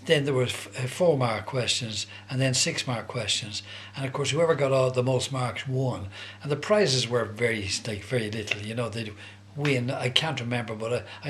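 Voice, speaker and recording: A man's voice: medium pitch, fairly bright tone. Older Dublin man reminiscing, hesitant and conversational. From Dublin, Ireland. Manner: hesitant, conversational, searching for words. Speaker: interviewee recalling his youth. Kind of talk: casual reminiscing.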